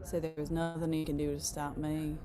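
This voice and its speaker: A woman's voice: sits low, little pitch movement, fairly quick, dark tone, faint music behind, lightly acted. A woman playing a blunt, protective small-town mother with a fierce streak in a script table read. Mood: proud, menacing.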